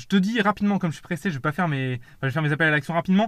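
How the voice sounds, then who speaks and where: A man's fairly high voice with lively intonation, recorded very cleanly against a silent background. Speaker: podcast host and 3D animation teacher. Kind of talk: solo podcast monologue. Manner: fast; casual, many hesitations.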